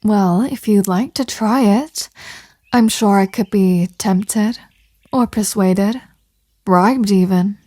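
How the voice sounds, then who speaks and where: A woman's voice: medium pitch, slow pace, a little mellow, dry recording. Woman playing a flirty mafia boss, close and dry. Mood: playful, teasing.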